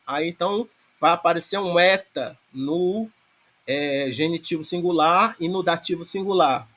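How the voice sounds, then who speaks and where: With a fairly high, fairly bright voice and a Brazilian Portuguese accent, a Greek language teacher explains grammar online one step at a time. He leans heavily on check-in fillers such as "né?".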